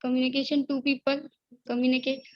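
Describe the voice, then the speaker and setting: Young indian girl in an interview, hesitant and halting, flat voice, dry muffled call. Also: sits high, no room sound. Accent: Indian English. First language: Hindi. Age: young adult. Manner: hesitant, halting English with many fillers. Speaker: job candidate. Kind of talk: nervous interview answers. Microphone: video call.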